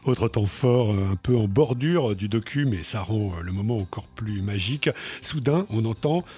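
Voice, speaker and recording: A man delivering a scripted radio culture column with polished, lively asides. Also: fairly low pitch, normal speed, soft background music.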